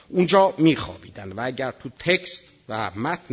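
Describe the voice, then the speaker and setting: A man is speaking. His pace is moderate. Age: old. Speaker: pastor. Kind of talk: sermon.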